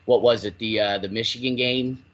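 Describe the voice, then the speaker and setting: Male sports podcast co-host, mid-range voice, animated and chatty, a bit dull and lo-fi. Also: medium pitch, brisk. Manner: animated, chatty, swears casually. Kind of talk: casual sports chat.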